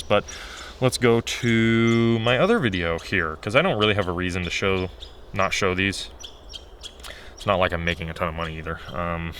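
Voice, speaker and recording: Male vlogger, lowish voice turning slightly hoarse, candid off-the-cuff delivery, some ambient noise behind. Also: sharp tone. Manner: rambling, candid, thinking aloud. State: voice getting hoarse. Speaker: video creator. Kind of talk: casual unscripted vlog talk.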